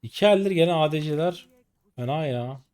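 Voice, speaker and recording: A man in his late twenties giving live gameplay commentary as a streamer, excitable and exasperated, with rough slangy banter at teammates. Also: fairly high pitch, moderate pace. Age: late 20s. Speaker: gaming streamer.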